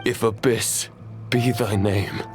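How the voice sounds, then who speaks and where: An actor playing a solemn, chivalrous, tragic knight in a video game, speaking gravely in theatrical archaic phrasing. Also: male voice, on the low side, steady tone, slow, music in the background. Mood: impassioned vow. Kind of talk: dramatic video game monologue.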